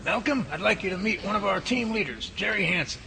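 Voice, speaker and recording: A research lab leader, voiced by a man, steady and explanatory as he shows a newcomer around, his voice fairly high and gravelly. Clear hiss runs under the recording. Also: brisk, heavily acted. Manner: steady, explanatory tour guide. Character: Bigfoot lab head giving a tour. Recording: noisy home-made audio drama.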